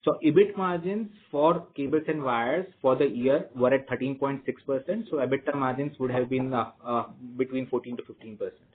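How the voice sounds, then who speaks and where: A man with an Indian accent, a company executive giving measured, formal answers to analysts on an earnings call. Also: mid-range voice. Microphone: conference phone call. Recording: tinny phone line with noise.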